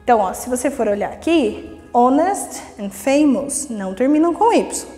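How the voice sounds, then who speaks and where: A woman teaching English grammar in a recorded online lesson, lively and encouraging, reading rules slowly and then explaining them. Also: high-pitched, in a large hall, soft background music. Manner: lively and encouraging, repeating "vamos lá" and "ok?".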